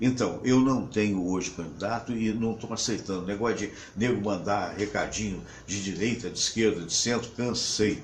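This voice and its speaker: Audible room echo surrounds a man speaking at a moderate pace, his pitch fairly low and his intonation fairly even. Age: 70s. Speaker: radio host. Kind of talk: radio commentary. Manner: conversational, hesitant fillers.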